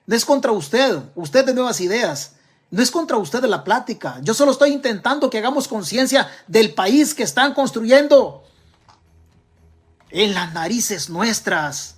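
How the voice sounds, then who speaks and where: Here a man speaks in a high-pitched, slightly rough voice. Talking to camera in Salvadoran-accented Spanish, he gives emphatic political commentary and fires rhetorical questions directly at his audience.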